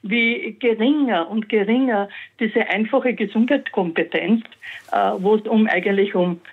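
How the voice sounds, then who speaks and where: A woman's voice: medium pitch, a little slow. A woman, a caller making an insistent, opinionated comment. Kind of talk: call-in comment. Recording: phone line.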